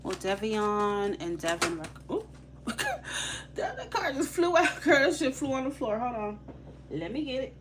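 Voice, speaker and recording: A woman's voice: fairly high pitch, sing-song, measured pace, background noise. A young woman with a Haitian accent, giving live tarot readings in a casual, slangy, chatty way and laughing easily. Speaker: tarot reader.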